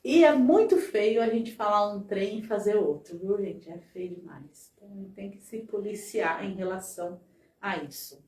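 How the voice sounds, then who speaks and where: A woman's voice: medium pitch, moderate pace, mellow. Woman, conversational lecture, frequent tag questions, echoey room, distant from the mic. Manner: chatty, constant tag questions to the audience. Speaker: lecturer at a spiritist center. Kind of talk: conversational study talk. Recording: roomy sound, voice from off the mic.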